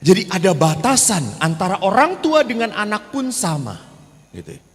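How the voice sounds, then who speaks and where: A man's voice: high voice, sing-song, normal speed. A man, a Catholic priest, giving a humorous seminar talk on marriage and acting out the people in his stories. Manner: joking storyteller who acts out voices. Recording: reverberant hall, faint noise.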